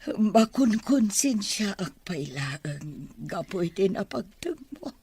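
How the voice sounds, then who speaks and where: Woman as frail old grandmother, Ilocano accent, husky, very expressive pitch, halting, remorseful, sentimental drama. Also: exaggerated voice. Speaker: voice actor in an audio drama. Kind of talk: sentimental radio-style drama acting.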